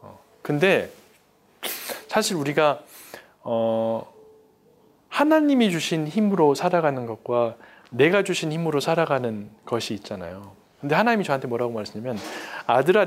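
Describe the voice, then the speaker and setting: A middle-aged man preaching a testimony sermon, emphatic, breaking into loud pleading prayers. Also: a little high.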